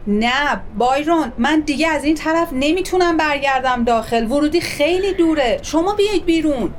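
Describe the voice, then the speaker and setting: A man's voice: extremely high pitch, lively intonation, slight background noise, voice pushed up. A man doing a worried, suspicious woman tourist. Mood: uneasy. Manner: worried, questioning.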